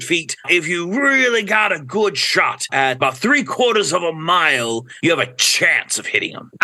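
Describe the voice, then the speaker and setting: A man's high-pitched, put-on character voice at a moderate pace with hardly any pauses, over light background noise. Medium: actual play. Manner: boastful.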